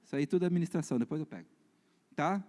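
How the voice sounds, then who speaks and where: A Brazilian man preaches in a church, his voice sitting fairly high for a man. He moves from fervent, raised passages to hushed, confiding stories. The sound carries a long reverb from the hall. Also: racing. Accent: Brazilian Portuguese. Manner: animated, swings between loud preaching and quiet storytelling. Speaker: pastor. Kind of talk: sermon.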